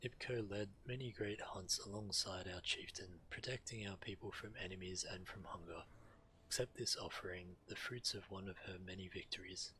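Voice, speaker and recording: Man voicing solemn tribal villager, very deep, forceful crisp edge, fantasy game quest reading. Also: steady tone, moderate pace, a little hiss or hum, low-quality recording. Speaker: game streamer. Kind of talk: reading game quest dialogue aloud on a stream.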